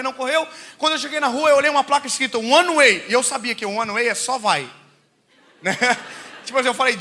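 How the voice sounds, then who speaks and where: A man from Brazil preaching a sermon told as a funny personal story, animated and laughing often, swinging between loud shouts and hushed asides. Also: extremely high pitch, slight background noise.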